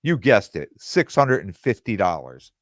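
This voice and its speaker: A man hosting his own podcast in casual, rambling talk, with plenty of fillers and restarts, and his voice going hoarse. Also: lowish voice, sing-song, unhurried, no room sound, studio quality. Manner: quotes other people in dialogue. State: losing his voice. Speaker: podcast host.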